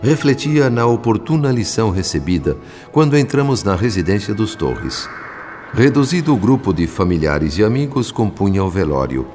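An earnest spirit narrator of a radio drama. His Brazilian voice is deep and solemn, with formal literary phrasing, a long reverb and soft music underneath. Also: big pitch swings, moderate pace. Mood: solemn, reflective.

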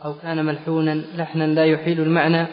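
Male student reader, level monotone recitation; far off in a long-reverb hall, lo-fi. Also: fairly high pitch, racing. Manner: flat, steady recitation. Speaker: student reading the text aloud. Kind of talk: reading a classical text aloud. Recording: distant voice in a reverberant hall, dull lo-fi.

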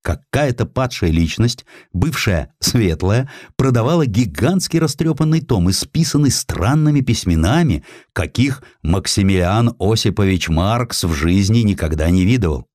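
Low-voiced, animated male audiobook narrator. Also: moderate pace, few pauses, no room sound, studio quality. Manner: expressive, theatrical delivery. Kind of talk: dramatized literary narration of a historical essay.

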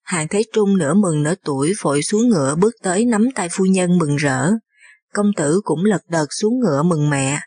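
A woman with a low, slightly husky voice reads a historical novel aloud in a steady, measured way. The recording is close and dry, with no room sound around her. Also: dry recording. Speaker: audiobook narrator. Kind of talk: scripted narration of a historical novel.

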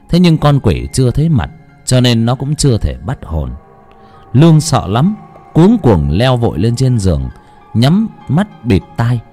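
A man narrating a ghost story in a dramatic, expressive storytelling manner. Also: on the low side.

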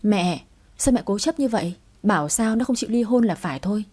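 A woman's voice: medium pitch, lively intonation, brisk, darkish tone, breathy edge. A woman voicing a selfish adult son on a phone call, pleading with his mother to push his wife into a divorce. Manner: pleading, insistent.

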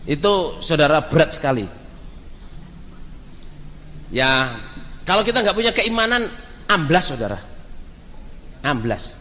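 A man's voice: on the high side, a little slow, pauses often, in a large hall, slight background noise. A man preaching a sermon, telling stories and speaking straight to the congregation. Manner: storytelling, lively, addresses the crowd directly.

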